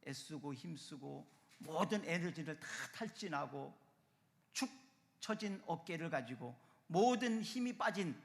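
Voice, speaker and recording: A man's voice: fairly high pitch, sharp tone, in a large hall. A man preaching a sermon as pastor, earnest, with rising and falling emphasis and rhetorical questions. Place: church sanctuary.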